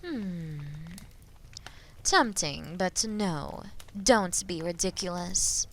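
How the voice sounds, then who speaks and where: A woman voicing a haughty, menacing female dragon in a fantasy audio roleplay, imperious and possessive, with deliberate delivery and breathy phrase endings. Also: fairly low pitch, expressive, a bit bright, slight background noise, full character voice. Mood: amused, condescending. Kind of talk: slow, dramatic roleplay audio acting.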